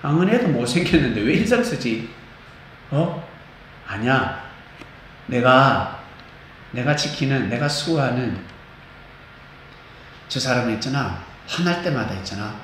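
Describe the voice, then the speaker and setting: Man doing a gossipy guardian angel, chatty, quiet and amused, echoey church hall, faint hiss. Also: mid-range voice, very animated, a little slow, pauses often. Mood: amused chatter.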